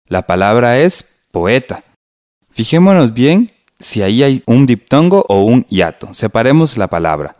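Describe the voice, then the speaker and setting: A man teaching a radio lesson in a slow, patient way, spelling out syllables. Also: fairly low pitch, darkish tone, no room sound, studio quality.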